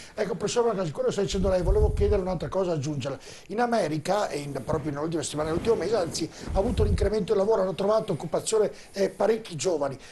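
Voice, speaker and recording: A man's high voice at a very fast pace, with ordinary pitch variation and light background noise. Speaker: TV talk show host. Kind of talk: televised political debate. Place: studio. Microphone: lapel.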